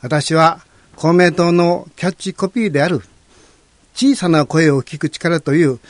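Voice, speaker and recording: A man serving on a city council, giving a formal, polite prepared statement in a measured, earnest way. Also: a little high, steady tone, no echo.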